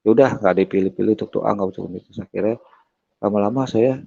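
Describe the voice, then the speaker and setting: A man telling his personal testimony, hesitant and pausing often on fillers. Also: on the low side, creaky, noisy background. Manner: hesitant, strings events together with many fillers. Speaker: guest giving a testimony. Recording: dull lo-fi recording.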